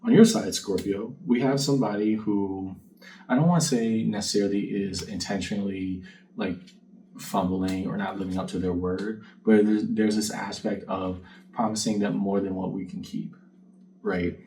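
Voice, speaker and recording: A low-voiced man gives a casual tarot reading in a mellow, relaxed tone. He is conversational and reflective, recorded a little away from the mic. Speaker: tarot card reader and channel host. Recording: distant mic with faint background noise.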